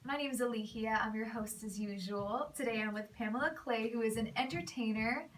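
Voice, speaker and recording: A woman's voice: on the high side, fairly quick, recorded from a distance. A young woman hosting a studio interview, upbeat and encouraging, with lots of "mm-hmm"s. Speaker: host. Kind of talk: interview host.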